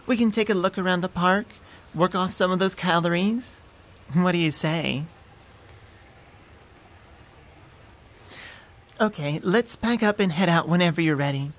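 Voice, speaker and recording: A woman's voice: fairly low pitch, normal speed, a little hiss or hum, lightly acted. A woman voicing an affectionate, teasing, easily flustered young centaur girlfriend in an intimate ASMR roleplay, sweet and conversational, close on the mic. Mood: sweet, cheerful. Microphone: close studio microphone.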